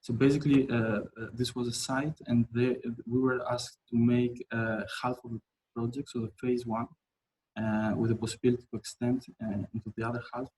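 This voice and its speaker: A man's voice: mid-range voice, flat delivery, brisk, a little mellow, a little hiss or hum, low-quality recording. Hesitant man presenting architecture projects. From Albania. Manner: hesitant, many fillers and restarts. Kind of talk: webinar presentation.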